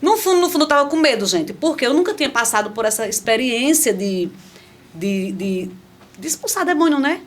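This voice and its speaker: A middle-aged woman, a podcast guest, telling her faith testimony in an animated, conversational way. She often restarts phrases and turns to her listeners with asides. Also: sits high, brisk. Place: podcast studio.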